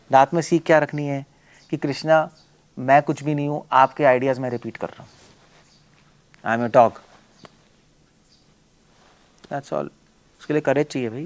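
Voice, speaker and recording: A man, a monk and preacher, giving a blunt, forceful lecture, firing rhetorical questions and mixing English words into his talk. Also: medium pitch.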